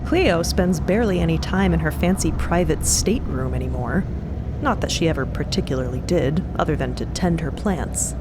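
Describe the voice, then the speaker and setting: A woman narrator telling a scripted story in a deliberate, vivid, dramatic way. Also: low-pitched, animated, background noise. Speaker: podcast narrator. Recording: loud music under the voice.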